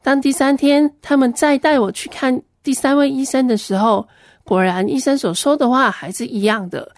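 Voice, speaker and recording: Woman, high-pitched, dry recording, earnest personal testimony. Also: steady tone, normal speed, no room sound. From Hong Kong. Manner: earnest, plain storytelling. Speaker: Christian ministry worker giving a testimony.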